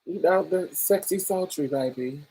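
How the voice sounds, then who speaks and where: A woman with a deep voice hosting a casual podcast chat, telling stories with frequent laughter and calling the listener honey and baby. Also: moderate pace, husky, low-quality recording. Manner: animated storyteller, laughs often, calls listeners honey and baby. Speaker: podcast host.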